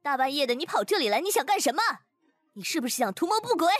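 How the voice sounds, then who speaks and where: An actress plays a suspicious, sharp-tongued woman in an audio drama, curt and accusing. Her high voice moves very dramatically in pitch, recorded dry. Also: big pitch swings, quick pace, no echo.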